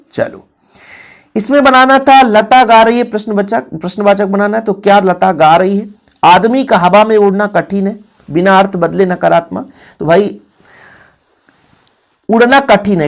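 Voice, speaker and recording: A man's voice: high voice, vocal fry. A man teaching an exam-prep grammar lesson, stressing his points and often checking in with the students. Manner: emphatic, repeats examples and keeps checking in with the students. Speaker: Hindi teacher.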